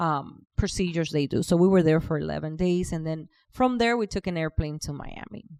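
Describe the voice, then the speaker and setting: In a very clean recording with a silent background, a woman with a Spanish accent speaks at a fairly quick pace in a fairly low voice with ordinary pitch variation. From Cuba. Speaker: realtor and podcast host. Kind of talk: interview storytelling. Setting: podcast interview. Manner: hesitant, with fillers.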